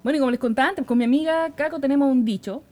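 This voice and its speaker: A woman's voice: high voice, rapid-fire, mellow, soft background music. Chatty Chilean woman podcaster. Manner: chatty, slangy, laughs often. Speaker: podcast host. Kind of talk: casual chat.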